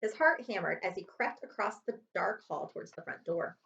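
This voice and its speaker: A woman reads a children's story aloud in a librarian's storytime manner. Her pitch moves in big, animated sweeps with dramatic emphasis, and the recording sounds a little dull and lo-fi. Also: fairly quick, vocal fry. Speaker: librarian reading aloud to students. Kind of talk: children's chapter book read-aloud.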